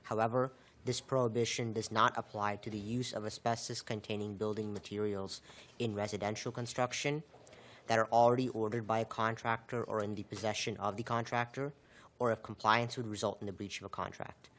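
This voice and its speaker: Man, lowish voice, formal legislative summary reading. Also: level tone, fairly bright tone, a little hiss or hum. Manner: measured, formal. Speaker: committee intern. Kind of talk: reading a bill report.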